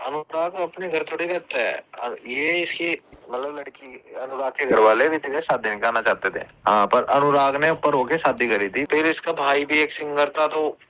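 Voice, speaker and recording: A man's voice: fairly high pitch, moderate pace, sharp tone. A man with a North Indian accent chatting casually and recounting gossip on a recorded phone call.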